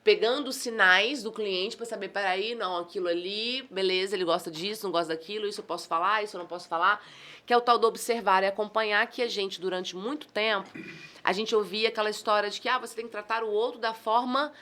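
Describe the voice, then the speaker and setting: A woman with a Brazilian accent, a communication trainer chatting as a podcast guest, animated and exclamatory, acting out the dialogue in her stories. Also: mid-range voice, quick pace. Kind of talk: casual podcast conversation.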